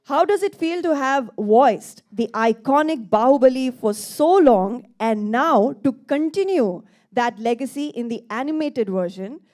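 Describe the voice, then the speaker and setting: A woman with a fairly high, mellow voice hosts a press event on stage. She introduces and thanks guests formally and effusively, always politely. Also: animated, a little slow, hardly any pauses. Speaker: event host. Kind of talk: formal compering.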